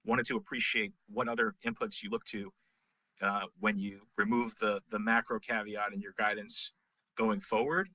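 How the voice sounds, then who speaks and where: A male financial analyst puts questions on an earnings call. His voice is very bright and sharp, in a dry acoustic. His phrasing is halting, with small stammered restarts. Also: lowish voice, steady tone, no echo, low-quality recording.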